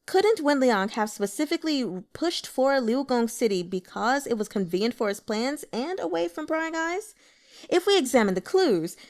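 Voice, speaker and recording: A woman's voice: high-pitched, a little mellow, voice pushed up. A woman voicing an earnest, deferential male official subordinate who reports formally to his lord.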